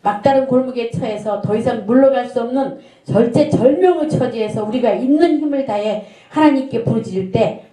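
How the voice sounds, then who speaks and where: A middle-aged woman pastor's slightly high, mellow voice carries an earnest sermon that includes a story and rhetorical questions. She speaks in a church sanctuary, and the recording has an echoey room sound.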